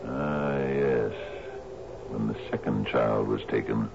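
An actor playing a grave, grieving older sea captain in a radio drama, halting and ruminative, with a gravelly voice. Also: male voice, a bass voice, exaggerated voice. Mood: regretful. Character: grave, distracted old sea captain in mourning. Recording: muffled, noisy old radio broadcast recording.

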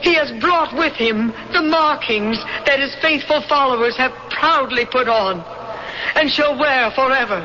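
High, bright-voiced fervent rebel woman. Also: unhurried. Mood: commanding, exultant. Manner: solemn, insistent, declamatory. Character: female interrogator, secret rebel, solemn fervent prophecy believer. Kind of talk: 1970s radio drama acting. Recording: dull, noisy old radio broadcast.

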